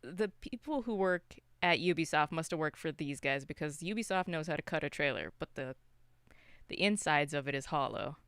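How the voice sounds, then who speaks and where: A woman with a low, smooth voice, recorded close and dry. She chats casually as a podcast co-host, rambling along in an informal, wry way. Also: expressive, normal speed, fairly bright tone, no room sound. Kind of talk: casual chat about movies.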